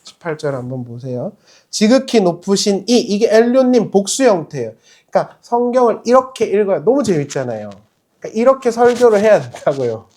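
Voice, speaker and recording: A male pastor preaching a sermon in a conversational, lively way, putting rhetorical questions to the congregation. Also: high-pitched, fairly quick. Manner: acts out quoted speech in other voices.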